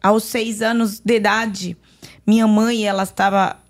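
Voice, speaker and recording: A Lebanese woman raised in Argentina, whose accent blends Arabic and Argentine Spanish, shares her personal testimony as a podcast guest in casual conversation. She speaks haltingly with many restarts, in a mid-range voice with little pitch movement.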